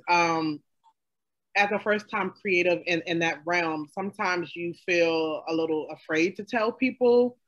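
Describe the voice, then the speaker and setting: A woman who makes audio dramas, talking casually and emphatically on a panel, with animated asides. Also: on the low side, highs cut off.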